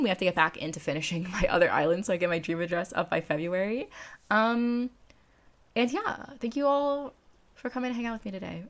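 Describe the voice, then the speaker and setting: A young woman hosting a casual livestream, chatting in a bubbly, slangy way with excitable exclamations to her viewers. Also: lowish voice. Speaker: livestream host.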